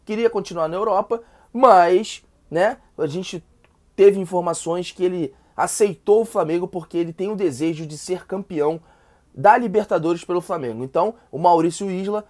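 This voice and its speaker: A man's voice: high-pitched, moderate pace, a little mellow. Picture a Brazilian man with a head cold, his voice stuffed up and nasal. He hosts a fan channel and talks football news in a chatty, loose way, repeating himself and tossing in little fillers as he goes. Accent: Brazilian Portuguese. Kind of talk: casual football news vlog.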